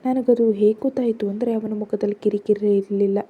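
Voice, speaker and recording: A woman narrating a first-person family drama story in a soft, hushed storytelling voice. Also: mid-range voice, fairly even intonation, a little fast, slightly rough, phone-quality sound.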